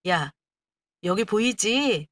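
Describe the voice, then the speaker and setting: A woman voicing a fierce young wife who answers her husband with sharp, cutting retorts. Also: mid-range voice, lively intonation, drawn-out words. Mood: furious retorts.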